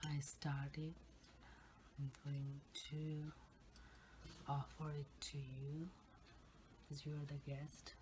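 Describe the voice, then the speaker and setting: Softly whispering woman, low and slow. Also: background noise. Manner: soft, slow, unvoiced whispering close to the mic. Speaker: ASMR channel host. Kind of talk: whispered ASMR mukbang.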